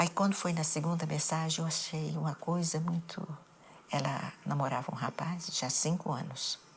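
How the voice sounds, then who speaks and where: A woman's fairly low, fairly even voice over noticeable background noise. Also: moderate pace. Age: 70s. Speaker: bereaved mother, interviewee. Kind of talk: interview testimony.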